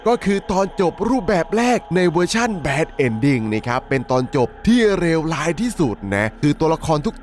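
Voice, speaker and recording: A man narrating a dramatic horror story recap, conversationally and politely addressing his listeners as he goes. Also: high voice. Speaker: storyteller, channel host.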